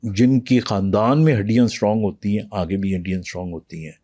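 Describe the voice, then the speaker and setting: Man explaining calmly, warm dark voice. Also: on the low side, dry recording, studio quality. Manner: patient, explaining, with fillers and pauses. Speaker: internal medicine doctor, podcast guest. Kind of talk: explanatory interview talk, mixing in English.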